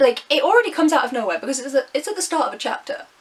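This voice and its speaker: A woman talks in a British accent. Her high voice swings very widely in pitch. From Britain. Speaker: book reviewer. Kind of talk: casual talk to camera.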